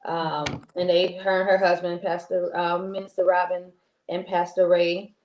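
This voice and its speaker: A woman co-hosting a casual live-stream talk show, rambling and heartfelt with many pauses. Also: lowish voice, little pitch movement, dull audio. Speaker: co-host. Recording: echoey room with faint noise.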